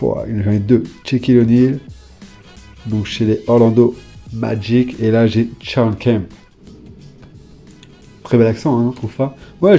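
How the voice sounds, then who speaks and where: A man casually chatting to his viewers while flipping through old trading cards, hesitant at times and bursting into sudden excited exclamations. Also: mid-range voice. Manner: hesitant, many fillers while reading names. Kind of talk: casual off-the-cuff commentary.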